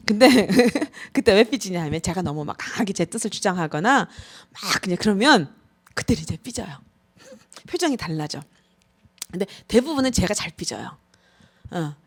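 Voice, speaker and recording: A woman in her forties, a pastor's wife, giving a lively lecture at a student retreat and acting out little quoted scenes as she tells stories. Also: on the high side. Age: 40s. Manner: lively storytelling, acts out quotes.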